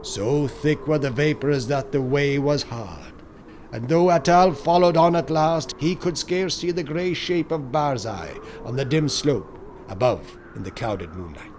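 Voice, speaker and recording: A man's voice: on the high side, measured pace, darkish tone, slight background noise. A man narrating a scripted horror audiobook in a solemn, theatrical storytelling manner.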